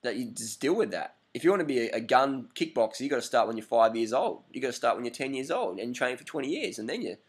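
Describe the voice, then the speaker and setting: A man's voice: mid-range voice, sing-song, fast talker, hardly any pauses, husky. A man in his thirties answering a viewer's question in a casual, rambling webcam vlog indoors, repeating his points for emphasis. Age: 30s. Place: indoor room with curtains, at night. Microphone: laptop webcam up close.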